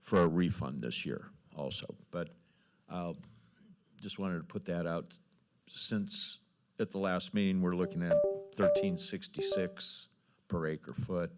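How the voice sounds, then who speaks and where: Very deep-voiced, low-key male council member. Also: unhurried, soft background music. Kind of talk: informal budget update.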